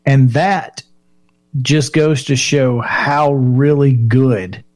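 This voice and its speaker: A man's voice: mid-range voice, steady tone, drawn-out words, darkish tone. A man co-hosting a local sports radio show, chatty and laughing often, restarting his sentences. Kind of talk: casual sports talk radio.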